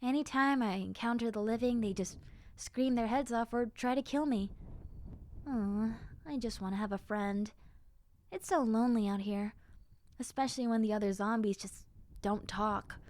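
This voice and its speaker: A woman plays a friendly young zombie girl with a highish, girlish voice. She chats casually and directly to the listener, like a lonely survivor glad of company in an audio roleplay. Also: a little mellow, slight background noise, close to an everyday voice. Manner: casual, chatty, conversational, girlish.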